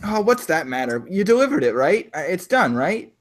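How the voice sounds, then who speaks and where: A man's voice: sits high, very animated, normal speed. A man from South Florida with no accent, running a tabletop game as game master and talking casually with lots of fillers. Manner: chatty, full of "like" and restarts.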